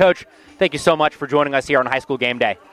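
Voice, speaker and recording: A man speaks with an American accent in a plain, everyday voice. His intonation stays fairly even. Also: dry, close sound with no echo. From US Midwest, Kansas. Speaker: sports radio host. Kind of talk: radio sports interview.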